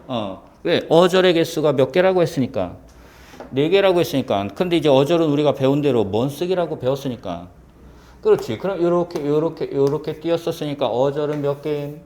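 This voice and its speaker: Male exam-prep teacher, slightly high and very animated pitch, classroom lecture full of check-in questions. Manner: lively, asks many rhetorical check questions. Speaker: civil service exam Korean teacher.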